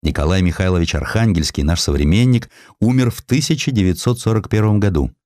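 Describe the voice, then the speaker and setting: A man narrating a historical sketch as a dramatic audiobook, with varied emphasis and deliberate pauses. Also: low-pitched, darkish tone, dry recording, studio quality.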